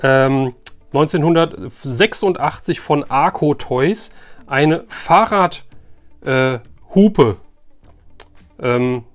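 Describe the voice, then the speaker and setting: Higher-voiced enthusiastic man, casual chat. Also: very slow, long pauses, soft background music. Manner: enthusiastic, colloquial, repeats phrases for emphasis. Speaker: collector presenting an unboxing video. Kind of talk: casual unboxing chat to camera.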